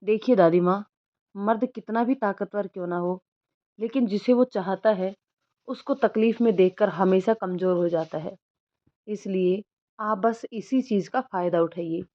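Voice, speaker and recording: A woman's voice: mid-range voice, moderate pace, lo-fi sound, lightly acted. A woman voicing a clever young woman who politely persuades an old grandmother into a plan, in a storybook reading. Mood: persuasive.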